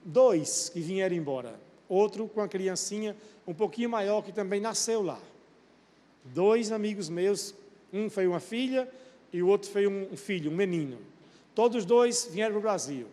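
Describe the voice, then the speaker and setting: A man's voice: high voice, animated, normal speed, mellow. A male pastor preaching a sermon, putting rhetorical questions to the congregation. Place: church. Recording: long church-hall reverb.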